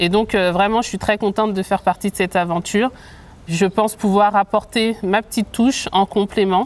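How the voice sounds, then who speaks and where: This woman has a normal speaking voice, pitched in the medium range. She speaks at a moderate pace with fairly even intonation. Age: 30s. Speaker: entrepreneur and election candidate. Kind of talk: casual chat.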